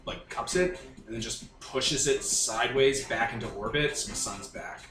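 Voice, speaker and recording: A man's voice: mid-range voice, normal speed, over music. A man working as game master, improvising narration and rulings in a casual, conversational way. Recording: roomy, distant, noisy home recording.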